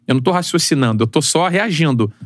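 A man's voice: on the high side, no echo. A man in his thirties with a Brazilian Portuguese accent, a football commentator telling stories as a guest in a casual podcast chat. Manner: fast, animated storytelling with slang.

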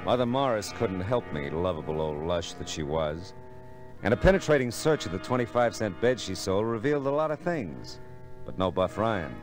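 A man's voice: fairly low pitch, very animated, moderate pace. An actor playing a wry, wisecracking male private detective in a 1940s radio drama. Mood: wry narration. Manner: wry, sardonic. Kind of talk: 1940s radio detective acting with first-person narration. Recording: old radio recording with music.

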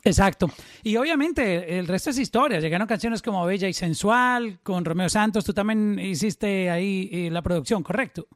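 Un hombre que conduce una entrevista con entusiasmo y ríe con su invitado. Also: male voice, sits high, moderate pace, dry recording, studio quality. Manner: enthusiastic, laughs along. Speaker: interview host. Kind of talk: casual interview.

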